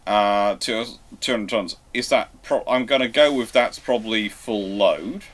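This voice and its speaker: Halting man thinking aloud. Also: lowish voice. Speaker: host of a live question and answer stream. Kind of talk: casual live discussion.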